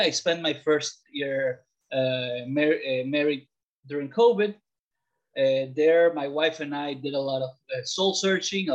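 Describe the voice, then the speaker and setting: A man from the Dominican Republic, around forty, talking about himself casually as an interview guest. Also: a little high. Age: late 30s or older. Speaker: podcast guest. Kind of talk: casual interview, personal storytelling. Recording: slightly dull, lo-fi audio.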